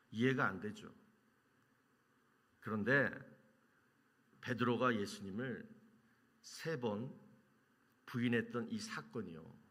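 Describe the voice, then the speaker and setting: A man preaching a sermon as pastor, quizzing the congregation and answering his own questions, moving between loud emphasis and hushed lines. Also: medium pitch. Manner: asks the congregation questions and answers them himself.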